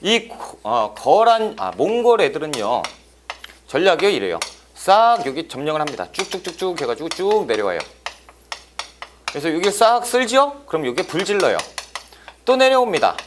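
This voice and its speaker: A male exam-prep history lecturer who tells the material like a story, with playful jokes and sound effects. His voice sits high and moves animatedly between pitches. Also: big pitch swings, normal speed, slight background noise. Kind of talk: lively lecture with acted-out scenes.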